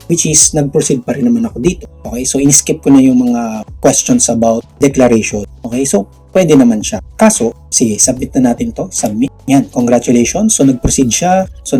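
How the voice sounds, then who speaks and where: A man's voice: mid-range voice, mellow, slightly rough. A Filipino man with a slight Visayan accent, chatting through a screen-recorded tutorial and answering viewer questions, often checking in with "okay?". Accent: Visayan-tinged Filipino. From Philippines. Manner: chatty, explanatory, laughs often, frequent "okay?" tags. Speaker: vlogger.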